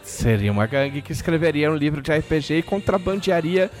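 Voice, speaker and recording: Male podcast host, Brazilian accent. Higher-than-average pitch, swinging intonation, ironic casual needling, light music behind. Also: expressive, brisk. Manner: teasing, ironic.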